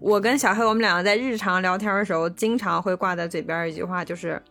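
A woman co-hosting a casual podcast chat, chatty and quick to agree with the others. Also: fairly low pitch, fairly even intonation, a bit bright, faint music behind. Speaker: podcast co-host.

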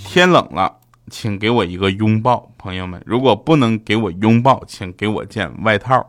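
A man's voice: on the low side, moderate pace, faint music behind. A man hosting a comedy podcast, telling jokes and anecdotes. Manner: animated storytelling, jumps into quoted voices. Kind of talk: casual comic monologue.

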